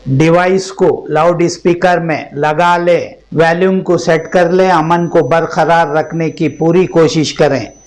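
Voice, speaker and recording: A man's voice: a little high, steady tone, unhurried, low-quality recording. A man presenting scripted news as narration, in formal, literary wording. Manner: formal Urdu-laden diction.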